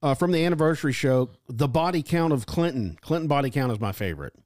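Lively-voiced man reading listener comments. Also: mid-range voice, no room sound, studio quality. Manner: reads haltingly, jokes about being unable to read. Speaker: podcast co-host.

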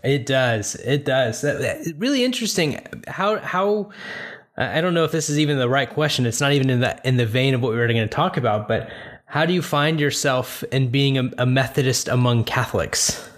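A man hosting a podcast, friendly and quick to laugh, reacting briefly and asking casual questions. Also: medium pitch, expressive. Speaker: podcast host. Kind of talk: conversational podcast interview.

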